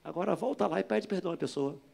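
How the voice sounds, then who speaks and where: A pastor with a Rio de Janeiro accent voicing a gentle, fatherly Jesus who speaks calmly and firmly. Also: high voice, fast talker, vocal fry, full character voice. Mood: kindly.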